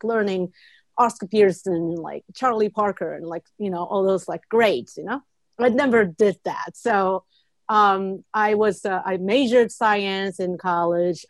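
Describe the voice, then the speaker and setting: A Japanese woman in her thirties, a guest jazz pianist, chats casually in an interview with a Japanese accent. Her medium-pitched voice is recorded dry, and she sounds relaxed and chatty, saying "like" often.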